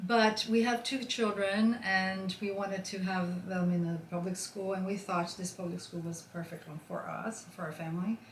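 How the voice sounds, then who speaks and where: A woman talks at a moderate pace with hardly any pauses, her medium pitch moving in a fairly even line. Noticeable background noise sits behind her. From Brazil. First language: Portuguese. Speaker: store owner. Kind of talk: interview.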